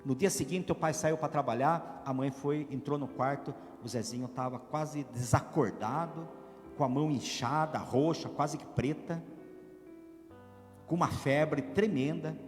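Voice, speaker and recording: A man, a priest giving a sermon, telling a story dramatically, swinging between loud preaching and hushed narration. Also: a little high, a little slow, long reverb tail, faint music behind. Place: church.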